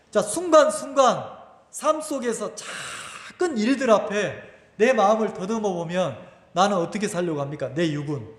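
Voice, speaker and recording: A pastor preaching a sermon, firing rhetorical questions at his congregation with emphatic delivery. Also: high voice. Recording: echoey church hall.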